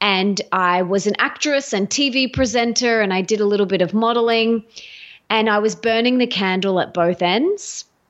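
A woman's medium-pitched voice with an Australian accent, ordinary pitch variation and a moderate pace. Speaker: author and speaker. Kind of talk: casual interview.

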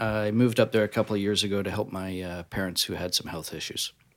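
A man's fairly low voice in a Canadian accent, very fast and fairly even in intonation, on a very clean recording with a silent background. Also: hardly any pauses. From Vancouver, Canada. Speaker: financial advisor. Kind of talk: casual interview chat, explaining.

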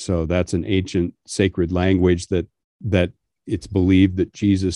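In an American accent, a man speaks fairly slowly with a very deep, low pitch, a dark, mellow tone and monotone, flat intonation, the sound dry and close with no echo against a quiet background. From US Midwest (northwestern lower Michigan, rural). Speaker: leadership coach and magician. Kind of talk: casual chat. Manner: casual, confident.

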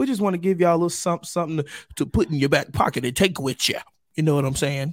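A man talks very fast at a fairly high pitch, with ordinary pitch variation. The sound is dry and close with no echo. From Mississippi, Jackson. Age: 20s. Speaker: podcast co-host. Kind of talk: casual chat.

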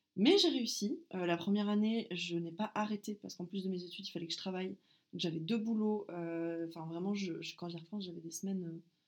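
A woman speaks in a plain, everyday voice at a fairly quick pace. Her intonation is fairly even, while her loudness swings widely. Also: medium pitch for a woman. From central France (Loir-et-Cher, Blois). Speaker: illustrator and roller derby player. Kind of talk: casual interview chat.

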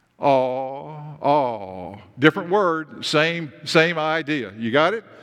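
Speaking with a Tennessee accent, a man is heard against a quiet background. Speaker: interim pastor. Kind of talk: sermon. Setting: church.

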